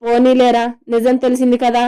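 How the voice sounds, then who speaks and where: A woman's voice: a little high, monotone, moderate pace, dark tone, clean tone, close to an everyday voice. A woman voicing a young man's scolding, questioning best friend in a romantic audio story.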